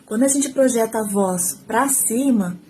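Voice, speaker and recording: This former TV reporter, who has a Brazilian Portuguese accent, talks unhurriedly in a fairly high voice while filming a casual tutorial indoors at home with her phone's front camera. Talkative and lively, she gestures throughout, with a slight hiss or hum audible.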